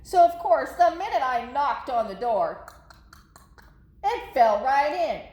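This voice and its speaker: A woman's voice: sits high, very animated, slow pace, a little mellow, reverberant, full character voice. A woman voicing a storybook wolf who chattily protests his innocence as he tells his side. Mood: aggrieved, confiding. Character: self-justifying folksy wolf telling his side.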